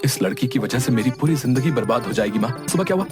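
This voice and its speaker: A fretful young cartoon husband, voiced by a man, complaining in quick bursts. Loud background music plays behind him. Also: medium pitch, animated, lightly acted. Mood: exasperated.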